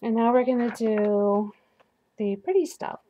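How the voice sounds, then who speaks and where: A woman's voice: on the high side, unhurried, mellow, low-quality recording. A woman getting over the flu, chatting casually to herself while demonstrating a paper craft at her work table. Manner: chatty, self-talking while working, laughs at slips. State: recovering from flu. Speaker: crafting video host. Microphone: overhead camera above work table.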